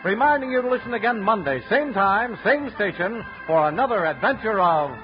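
A man's voice: high-pitched, expressive, brisk. An American man announcing in a polished old-time 1950s radio style, reading sponsor messages to young listeners. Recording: dull vintage radio recording with music. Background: music.

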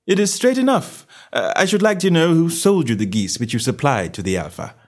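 Man playing Sherlock Holmes, animated and high-pitched. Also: brisk. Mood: careless, goading. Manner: careless, genteel, self-assured. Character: shrewd, composed gentleman detective, coolly goading.

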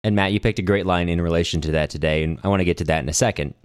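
Very deep-voiced man discussing literature. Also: racing, clean tone, no echo, studio quality. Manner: articulate, explanatory, reflective. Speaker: podcast co-host.

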